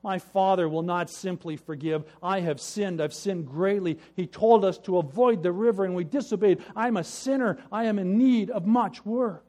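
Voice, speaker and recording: A man's voice: high-pitched, normal speed, few pauses, mellow, pitched above the performer's own voice, lightly acted. A man voicing an earnest, anxious brother. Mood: pleading. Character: anxious male rock-stacking brother, penitent.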